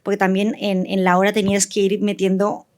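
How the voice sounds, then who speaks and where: A woman's voice: mid-range voice, monotone, brisk, a little mellow. A woman with an accent from Spain, talking casually as a writer in a panel discussion. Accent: Spanish from Spain. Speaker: audio fiction writer, panelist.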